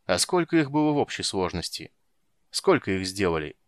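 An actor playing a sardonic adult male monster hunter who speaks low and mocking. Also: very animated, a little fast, dry recording, studio quality.

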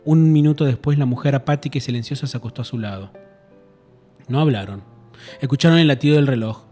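A male radio host narrates a horror story with measured, suspenseful pacing. His voice sits at an everyday middle pitch, steady and deliberate. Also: faint music behind. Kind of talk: dramatic reading of a horror story.

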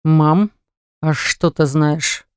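Curt, evasive grown son, read by a woman, low and slow, dry sound. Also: fairly even intonation, darkish tone, smooth, no echo. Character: adult son, father, curt and businesslike.

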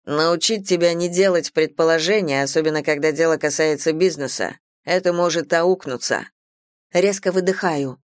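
Woman audiobook narrator, sarcastic and expressive, dry close recording. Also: sits low, moderate pace, dry recording. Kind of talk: first-person audiobook narration.

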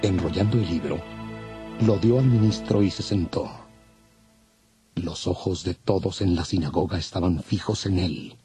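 A man with a low, warm, mellow voice reads scripture as a narrator. His delivery is measured and formal, over faint background music. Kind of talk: scripted dramatized Bible narration.

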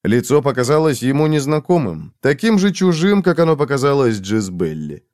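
A man reading a novel aloud as an audiobook narrator, dramatic and expressive. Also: mid-range voice, moderate pace, dry recording, clean studio sound. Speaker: audiobook reader. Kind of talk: scripted narration.

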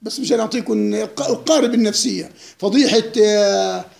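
A man's voice: sits high, a little fast, gravelly, darkish tone, echoey room. A man giving an informal lecture, mocking and laughing often and quizzing his listeners. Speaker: lecturer leading a book discussion.

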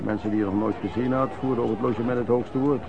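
An actor playing an old vagrant in a radio drama, reminiscing in a colloquial, halting way and repeating words. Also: male voice, medium pitch, steady tone, vocal fry, natural voice. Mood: earthy reminiscing. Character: old vagrant recalling wartime lodging-house life, earthy storyteller. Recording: muffled old radio recording, background noise.

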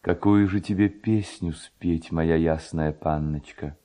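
A man voicing a young Cossack, a tender romantic who muses softly in wonder, in a storybook reading. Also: deep voice, steady tone, slow.

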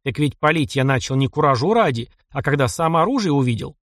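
A man reading the lines of a cocky, sharp-tongued young male taiga hunter in an audiobook. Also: medium pitch, lively intonation, brisk, no room sound, clean studio sound, close to an everyday voice. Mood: instructive. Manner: cocky, sarcastic retorts.

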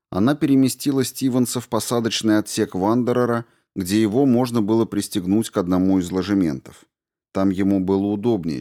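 A man reading a story aloud in a steady, measured narration. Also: lowish voice. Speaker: audiobook narrator. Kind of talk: scripted narration.

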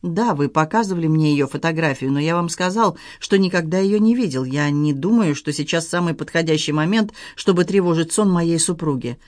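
A reader voicing a young man who owns a yacht, speaking calmly and reassuringly in an audiobook. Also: mid-range voice, brisk, few pauses, dry recording, studio quality, lightly acted. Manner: calm, reassuring, politely firm. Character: young charming male yacht owner, calm and smooth-talking. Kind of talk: audiobook dialogue reading.

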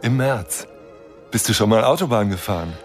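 An actor playing a lonely, lovestruck but mistrustful astronomer in a German radio drama, speaking earnestly in short plain sentences. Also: male voice, lowish voice, lively intonation, moderate pace, lightly acted. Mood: eager, dreamy. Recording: music behind the voice.

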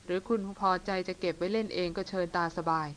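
A woman doing a stern, low-muttering hunter. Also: quick pace, a little hiss or hum, close to an everyday voice. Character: stern seasoned male jungle hunter.

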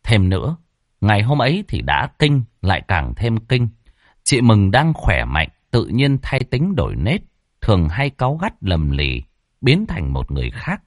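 A man narrating a ghost story in a lively, expressive, dramatic way. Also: lowish voice, dry recording, clean studio sound.

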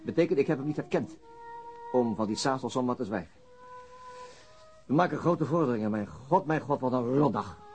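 An actor playing a worn-out, grumbling police investigator in a naturalistic radio drama, with a glum, sardonic delivery. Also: male voice, mid-range voice, expressive, brisk, long pauses, a little mellow, soft background music, lightly acted. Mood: exasperated.

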